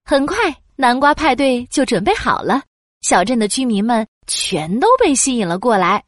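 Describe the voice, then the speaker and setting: Expressive woman storyteller. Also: fairly high pitch, normal speed, no echo. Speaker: narrator. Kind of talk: scripted children's story narration.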